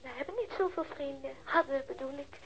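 A woman's voice: sits high, a little fast, crowd noise. An actress playing a recently widowed woman in a radio play, subdued and polite, explaining things with some hesitation. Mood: subdued, cooperative. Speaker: radio drama actor. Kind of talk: radio play acting, dialogue. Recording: dull band-limited radio drama audio.

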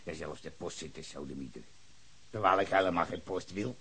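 An actor playing a hostile, cursing bar owner in his fifties in a radio play, shouting and then muttering. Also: deep voice, fairly quick, breathy edge. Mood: grumbling. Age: 50s. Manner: cursing, ranting, swings between shouting and muttering. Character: foul-mouthed hostile older male bar owner, drunken ranter.

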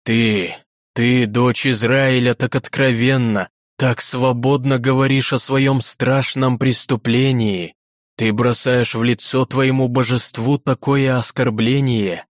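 A man's voice: mid-range voice, fairly even intonation, slow, no room sound, studio quality, close to an everyday voice. A man voicing a stern, solemn old male tribunal chairman who thunders at the accused in a storybook reading.

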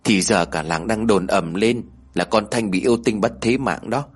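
A man's voice: on the low side, moderate pace, breathy edge. A man voicing a fretful, scolding elderly grandmother in a village ghost story, with a chiding, clucking way of talking. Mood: worried.

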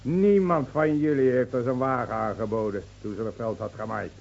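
An actor playing an earnest villager in a radio play, reproachful and standing up for the downtrodden. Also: male voice, medium pitch, moderate pace, creaky, darkish tone, a little hiss or hum, close to an everyday voice. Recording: muffled old radio play recording.

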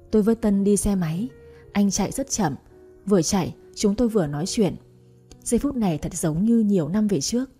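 A woman reading a first-person love story aloud in a soft, reflective way. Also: medium pitch, husky.

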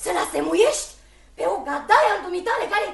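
A woman's voice: very high voice, big pitch swings, gravelly, exaggerated voice. A woman playing a stubborn, quarrelsome young woman who mocks and insists in a read-through of a stage play. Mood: defiant. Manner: insistent, mocking.

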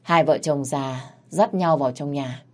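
Woman storyteller, low voice, vivid mocking colloquial narration. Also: measured pace.

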